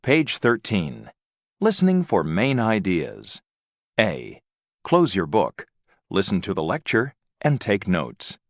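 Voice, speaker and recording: A man reading textbook audio instructions in a slow, deliberate way. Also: sits low, huge pitch swings, no echo, studio quality. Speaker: audio track announcer. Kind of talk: scripted instructions.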